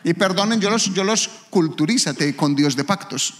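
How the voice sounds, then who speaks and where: A man's voice: sits high, animated, moderate pace, big-room sound. A man pastor preaching a sermon, dramatically acting out the voices of people in trouble. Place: church sanctuary.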